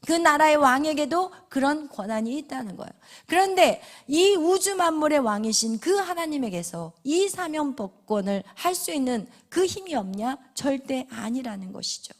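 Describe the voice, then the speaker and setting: A woman pastor preaching a sermon. She asks the congregation questions and answers them in a hushed whisper, with sudden emphatic rises in between. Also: sits high, very animated, moderate pace, few pauses.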